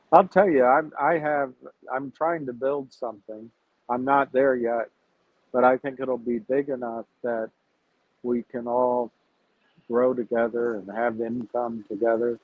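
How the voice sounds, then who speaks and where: A man hosting a casual livestream about investing, talking to his viewers in a measured, reflective way as he thinks aloud. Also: medium pitch. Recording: tinny phone-like sound.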